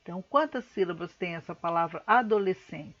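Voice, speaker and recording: A woman teacher giving a recorded lesson, patiently explaining step by step and slowing words down to split them into syllables. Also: on the low side, dull audio. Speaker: schoolteacher.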